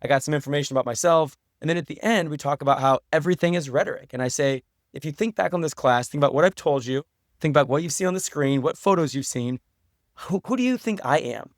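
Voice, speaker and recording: Podcast guest: middle-aged American man, chatty storyteller, very quick delivery, dry close sound. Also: a little high, no echo. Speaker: podcast guest, writer and professor. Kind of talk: casual podcast conversation.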